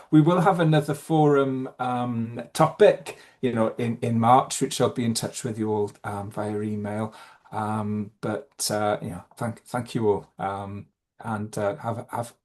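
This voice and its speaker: A man's voice: lowish voice, darkish tone. A man from Wales chairing an online meeting, talking hesitantly with many fillers and restarts over a video call. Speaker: forum chair.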